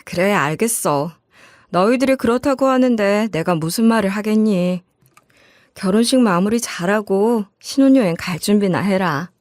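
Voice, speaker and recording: A woman's voice: mid-range voice, animated, normal speed, a little mellow, dry recording, studio quality, lightly acted. A woman narrator voicing an older mother who admonishes her child in a matter-of-fact way. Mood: resigned. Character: older mother, plain-spoken, placating and chiding.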